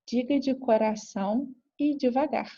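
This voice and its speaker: A woman reading a calm, directive male therapist. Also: fairly high pitch, unhurried, breathy edge, dull audio.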